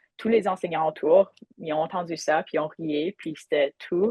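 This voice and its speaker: A woman uses lively intonation in a normal speaking voice, keeping a moderate pace. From western Canada (Manitoba, then British Columbia). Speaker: youth organization representative, panelist. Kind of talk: panel discussion. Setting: video call webinar.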